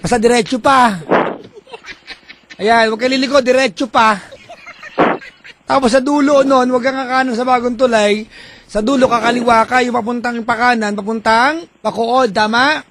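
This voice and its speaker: A man hosting a late-night radio call-in show, playful and teasing, talking in an animated way. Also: very high-pitched, moderate pace, pauses often, a little hiss or hum.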